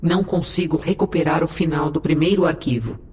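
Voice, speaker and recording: A woman's voice: deep voice, steady tone, a little fast, darkish tone, a little hiss or hum, close to an everyday voice. A woman voicing a sassy female AI first officer on a starship in an audio drama, sly and mock-sweet with her captain. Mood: smug. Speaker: ship's digital assistant.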